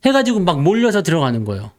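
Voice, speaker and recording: A man's voice: high-pitched, sing-song, normal speed. A man giving casual, joking stock market commentary and acting out investors' voices. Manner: playful, acts out investors' voices, jokes with viewers.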